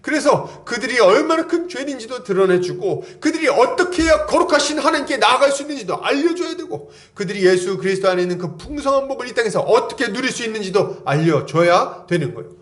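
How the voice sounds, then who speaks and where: A man's voice: extremely high pitch, very animated, fast, hardly any pauses. A male pastor preaching a sermon at a church service, pressing the congregation with rhetorical questions and acting out everyday conversations in casual speech.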